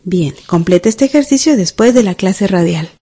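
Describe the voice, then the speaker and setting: A mellow, warm-toned woman leads a scripted radio grammar lesson. She goes step by step, spells words out and checks in with little "ujú" and "¿verdad?" prompts. Her pitch sits in an ordinary middle range. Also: expressive, moderate pace, slightly rough. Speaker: radio teacher.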